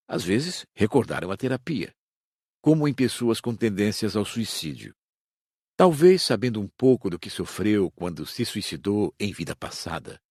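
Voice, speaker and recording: A man reading an audiobook as a teacher, with a husky voice and a didactic, measured delivery. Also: on the low side, a little mellow, no echo, clean studio sound, full character voice. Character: male spirit teacher explaining reincarnation calmly. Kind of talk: scripted audiobook narration.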